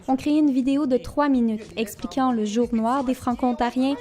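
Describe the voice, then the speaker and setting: A woman's voice: high voice, steady tone, moderate pace, dark tone. A woman reporter narrating a news feature voice-over.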